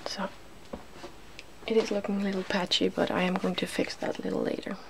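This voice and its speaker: Female ASMR host, soft-spoken with whispery moments, gravelly fry in the voice, clear background noise. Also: medium pitch, level tone, brisk.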